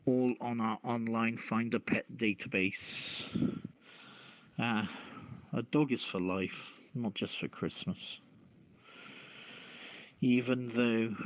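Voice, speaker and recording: A man hosting a casual live radio show with a halting delivery. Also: medium pitch, a bit bright. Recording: dull, echoey online radio channel audio.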